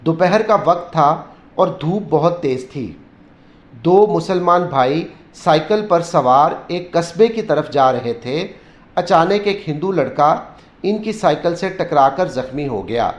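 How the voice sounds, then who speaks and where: Man, teacher, step-by-step explanation, slightly high voice, roomy dull recording. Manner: explains step by step, repeating sentences slowly. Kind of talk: classroom lesson explanation. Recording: echoey room, dull lo-fi sound.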